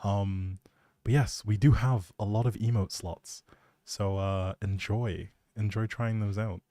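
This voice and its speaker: Guy streaming, lowish voice, chatty and rambly, thanks people a lot, close dry mic. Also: fairly even intonation, a little slow, mellow, dry recording. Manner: appreciative, chatty, thinking aloud. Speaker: live streamer. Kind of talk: casual rambling game stream chat.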